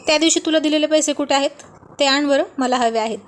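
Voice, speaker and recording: A woman voicing a quick-tempered husband who grumbles and snaps at his wife. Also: high voice, close to an everyday voice. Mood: irritated. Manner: grumbling, irritated.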